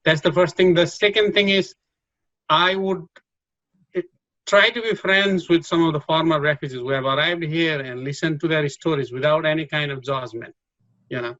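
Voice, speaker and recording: A man's voice: fairly high pitch, steady tone, moderate pace, bright, forceful tone, dry recording, lo-fi sound. Earnest man with a Bhutanese accent. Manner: earnest, with repeated restarts. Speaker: interviewee. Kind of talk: giving advice in an interview.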